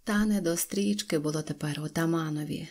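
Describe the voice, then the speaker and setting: A woman's voice: low-pitched, fairly quick, darkish tone. A woman narrating an audiobook tale expressively, dropping to whispers at tense moments. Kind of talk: storybook narration.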